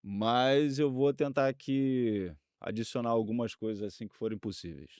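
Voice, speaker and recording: A man's voice: medium pitch, steady tone, moderate pace, a little mellow. A Brazilian man co-hosting in casual conversation, speaking in a modest, hesitant, deferential way. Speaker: stand-in co-host.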